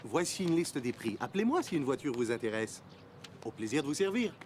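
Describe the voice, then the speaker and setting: A man's voice: mid-range voice, big pitch swings, fairly quick, a little mellow, a little hiss or hum, natural voice. A man playing a polite, eager car salesman with courteous sales patter in a French preschool cartoon. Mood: polite, salesy. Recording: music bed behind the voice.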